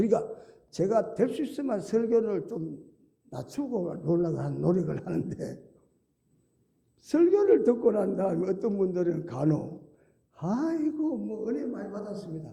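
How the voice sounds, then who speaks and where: A man with a Gyeongsang accent, high-pitched and lively in intonation, at a fairly slow pace with long, frequent pauses, in audible room echo. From Gyeongsang region, Korea. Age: old. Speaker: retired senior pastor. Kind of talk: sermon. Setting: church.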